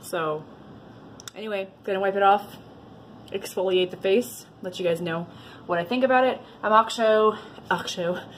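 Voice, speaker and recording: Over noticeable background noise, a woman with a medium pitch speaks at a moderate pace. Her pitch variation is ordinary, and she leaves long, frequent pauses. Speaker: beauty YouTuber. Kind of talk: product review demo. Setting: at home. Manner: casual, rambling.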